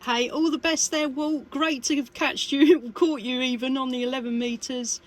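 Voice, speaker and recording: A woman's voice: high voice, steady tone, moderate pace. A chatty, exclamatory woman operating a CB radio in a two-way chat. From United Kingdom. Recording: radio contact with faint static.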